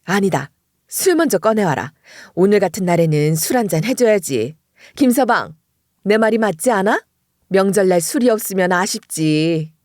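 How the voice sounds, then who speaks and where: A woman's voice: mid-range voice, moderate pace, dry recording, studio quality, lightly acted. A woman voicing a cheeky, unflappable middle-aged mother who teases with sly composure. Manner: sly, deadpan teasing.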